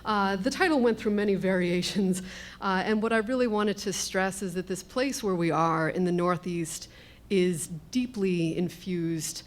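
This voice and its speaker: A woman speaking as an author at a live event, with measured, gracious and careful phrasing. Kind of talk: live public talk, thoughtful conversation. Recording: noisy live event with rumble.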